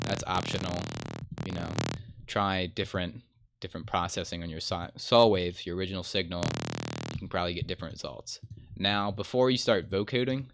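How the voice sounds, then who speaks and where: A man in his twenties giving a casual, laid-back music production tutorial in an informal, colloquial way. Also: sits low. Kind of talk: casual screen-share tutorial. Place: indoor room at a computer desk. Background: loud electronic synth sounds.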